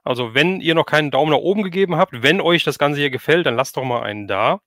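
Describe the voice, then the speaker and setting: A man's voice: fairly high pitch, animated, fast talker, fairly bright tone, no echo. A man from Hesse with a Hessian German accent, hosting a casual livestream chat. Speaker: livestream host.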